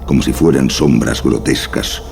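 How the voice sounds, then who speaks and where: Very deep, gravelly male horror narrator. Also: normal speed, a little mellow. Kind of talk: scripted horror story narration. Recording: music behind the voice. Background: music.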